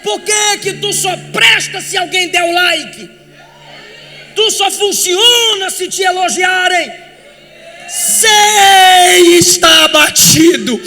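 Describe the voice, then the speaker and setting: A Brazilian man in his eighties with a Brazilian Portuguese accent, preaching a fervent sermon, often shouting and stretching out emphatic phrases. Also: very high voice, slow, long reverb tail, soft background music. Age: 80s. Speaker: pastor. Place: large church.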